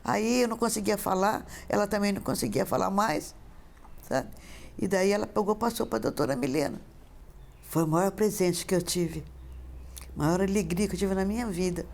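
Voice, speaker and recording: A woman's voice: medium pitch, normal speed, a little mellow. A middle-aged woman, a mother, telling in a heartfelt interview how her daughter called her. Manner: gravelly, heartfelt storytelling. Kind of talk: personal testimony interview.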